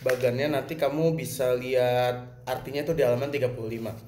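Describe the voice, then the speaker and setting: A man's voice: mid-range voice, fairly even intonation, fairly quick, darkish tone, slight background noise. A male teacher with a Jakarta accent explains a music lesson plainly, asking and answering his own questions. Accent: Jakarta Indonesian. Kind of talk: recorded lesson for students. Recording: roomy with faint ambience.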